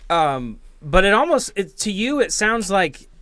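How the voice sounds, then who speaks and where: A man with a fairly high voice acts as game master on a tabletop podcast. He improvises his narration, often hedging and starting over as he builds the scene. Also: very animated, fairly bright tone, no room sound. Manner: halting, hedging delivery.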